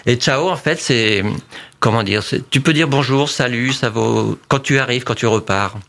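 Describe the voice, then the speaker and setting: A man's voice: mid-range voice, moderate pace, creaky, fairly bright tone, a little hiss or hum. A man talking as a studio guest on a radio show, chatty and full of asides. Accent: French. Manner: chatty, peppers talk with "tu vois". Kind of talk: casual radio chat.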